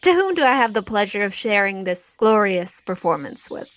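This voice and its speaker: A woman's voice: mid-range voice, big pitch swings, normal speed, a bit bright. A woman voicing a grandiose, welcoming inhuman male circus ringleader with florid, showy phrasing, in a tabletop role-playing game. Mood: courteous.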